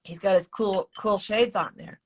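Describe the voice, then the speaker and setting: A woman's voice: mid-range voice, normal speed. An older woman co-hosting a live stream, chiming in easily with jokes and advice. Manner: easygoing, chimes in with jokes and advice. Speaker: co-host of a live stream show. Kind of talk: casual chat.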